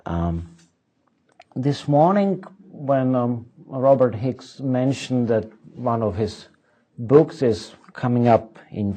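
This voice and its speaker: Slow, halting man with a Czech accent. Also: mid-range voice, darkish tone, breathy edge. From Czech Republic. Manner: hesitant, many ums and restarts. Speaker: economics professor giving a lecture. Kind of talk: conference lecture with dry humor.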